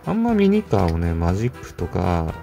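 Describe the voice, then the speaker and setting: Man, casual unboxing chat, gravelly, lively up and down pitch, muttered asides, soft music behind. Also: normal speed. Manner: muttering to himself, chuckling, self-answering asides. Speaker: toy car collector vlogger.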